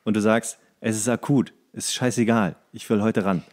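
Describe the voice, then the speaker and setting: A man's voice: fairly low pitch, steady tone, normal speed. A man co-hosting a podcast in casual chat, telling stories in a grumbling, exasperated way and acting out dialogue. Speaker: podcast co-host. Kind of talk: casual comedic chat, storytelling.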